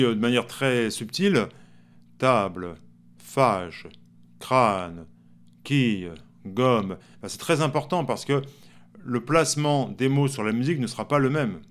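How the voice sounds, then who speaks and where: A man with a French accent teaching a playful songwriting lesson at a whiteboard, chatting casually and sounding out words slowly. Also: medium pitch. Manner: chatty, playful, sings example lines slowly. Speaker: music teacher.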